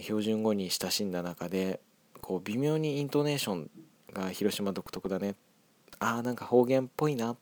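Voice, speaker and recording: A young man with a light Hiroshima accent talks thoughtfully about writing his audio drama, often pausing to hedge his words. His voice sits very low, and the recording is close and dry with no room sound. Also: dry recording. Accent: Hiroshima dialect. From Hiroshima, Japan. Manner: reflective, hedging, soft-spoken. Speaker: scriptwriter of an audio drama group.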